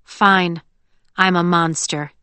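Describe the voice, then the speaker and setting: A woman's voice: fairly low pitch, fairly even intonation, slow, bright, forceful tone, smooth, dry recording. A woman voicing a defiant, sarcastic teenage cyborg girl with a biting tongue. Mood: cutting.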